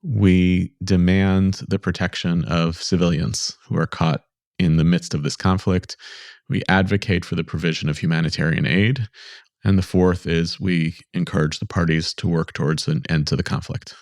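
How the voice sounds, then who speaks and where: A man's voice: sits low, steady tone, moderate pace, a little mellow, no room sound, studio quality. A man hosting a podcast interview, asking thoughtful, probing questions in a conversational way. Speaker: podcast host.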